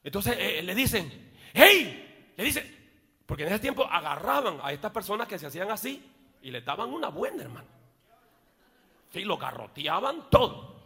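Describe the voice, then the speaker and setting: A male pastor preaching a sermon in church, rising to shouts and dropping into joking asides. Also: high voice, sing-song, moderate pace, pauses often, slightly rough. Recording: long reverb of a church hall.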